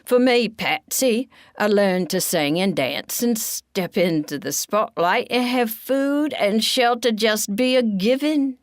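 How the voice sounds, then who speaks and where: A woman doing Patsy, a gentle white rat performer. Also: a little high, slow pace, hardly any pauses, no room sound, studio quality, voice pushed up. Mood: sincere. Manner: gentle, polite and soft-spoken.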